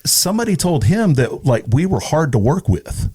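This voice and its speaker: Animated middle-aged man telling stories. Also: a little high, moderate pace, slightly rough. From East Texas, USA. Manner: animated retelling with quoted dialogue. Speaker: podcast guest, radio personality. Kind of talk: casual conversational storytelling.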